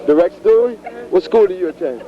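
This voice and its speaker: A man's voice: high-pitched, animated, moderate pace. An American man hosting informal community TV interviews, with a joking, teasing manner. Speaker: host interviewing young people at a fair. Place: busy auditorium at a fair. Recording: muffled sound, busy crowd noise behind.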